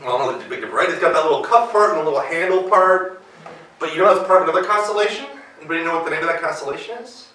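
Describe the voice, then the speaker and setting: An American male storyteller with a high, bright voice tells a tale to a live audience. He is playful and conversational, heard slightly at a distance in a very echoey room. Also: very fast. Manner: playful, asks the listeners questions. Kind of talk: live folktale telling to an audience. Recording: roomy live hall, distant mic.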